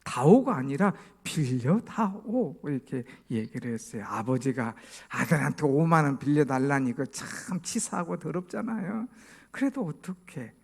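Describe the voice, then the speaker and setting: A male pastor preaching a sermon, telling a story with hushed asides and raised exhortations. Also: medium pitch, expressive, moderate pace, vocal fry. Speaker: senior pastor.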